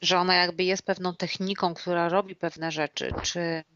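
A woman co-hosting a talk show as a clairvoyant, explaining her views slowly with restarts and examples. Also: fairly low pitch, flat delivery, a bit bright, no room sound, muffled recording. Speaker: clairvoyant co-host answering viewer questions. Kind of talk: casual studio chat.

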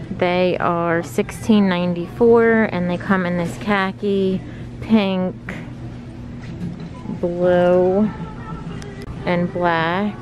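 Slow-talking woman vlogger in a store. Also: fairly low pitch, low-quality recording. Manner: unhurried, describing clothes item by item. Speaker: fashion vlogger. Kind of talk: shop-with-me narration. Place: large retail store, indoors. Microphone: handheld phone filming the racks.

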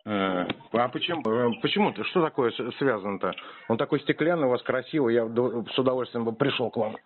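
A man's voice: medium pitch, a little fast. A man in a casual phone chat, talking in a rambling, slangy, provocative manner. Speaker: prank caller answering a telemarketer. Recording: noisy tinny phone line with clicks.

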